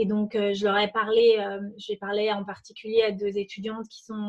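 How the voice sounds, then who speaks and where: At a moderate pace, a woman is talking. Her pitch is fairly high. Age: 40s. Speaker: podcast host. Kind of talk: casual chat. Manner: halting.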